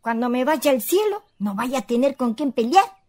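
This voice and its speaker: An actress playing a bossy, scolding elder-sister ghost in a radio play, with an expressive rustic Chilean accent. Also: female voice, high-pitched, moderate pace. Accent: rural Chilean. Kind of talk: radio theatre acting.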